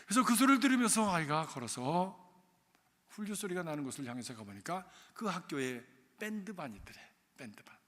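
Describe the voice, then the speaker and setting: Male pastor, storytelling sermon; high and bright-toned, with emotive swings in loudness, in a reverberant church. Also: very animated, a little fast. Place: church sanctuary.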